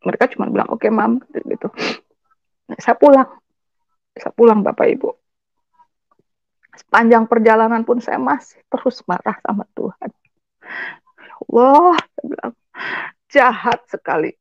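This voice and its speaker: A woman's voice: a little high, steady tone, normal speed, vocal fry, pauses often, no room sound. A woman giving an emotional personal testimony, speaking straight to her audience and slipping in English words. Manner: addresses the audience directly, sprinkles in English words. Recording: dull, dry lo-fi recording.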